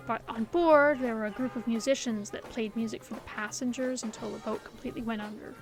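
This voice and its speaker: A woman acting a gentle, hopeful best friend in an audio roleplay, talking to the listener in an earnest, reassuring, conversational way. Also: fairly high pitch, fairly even intonation, fairly quick, soft background music, lightly acted. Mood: excited, hopeful. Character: gentle, hopeful female best friend comforting her secret crush. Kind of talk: scripted audio roleplay, intimate one-sided dialogue to the listener.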